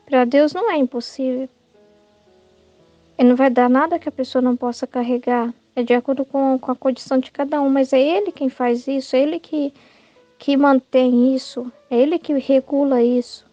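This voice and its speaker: A Brazilian woman with a high, mellow voice gives informal Catholic teaching, keeping it conversational and tagging her points with "né?". The sound is dry and a little dull, as if from a modest mic. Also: fairly even intonation, normal speed, no room sound, faint music behind. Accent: Brazilian Portuguese. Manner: conversational, keeps adding "né?", acts out quoted thoughts.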